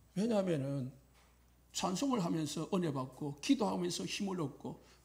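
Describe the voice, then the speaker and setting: Audible room echo surrounds a man's voice. He speaks at a moderate pace in a high pitch with very wide pitch swings. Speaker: pastor. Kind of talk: sermon. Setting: church.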